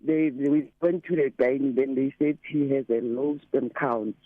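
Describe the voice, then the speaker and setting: Woman caller in her thirties, deep voice, English mixed with Zulu, phone-line sound. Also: fairly even intonation, normal speed, no echo. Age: 30s. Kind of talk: phone-in call to a radio show. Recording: tinny phone line, dry.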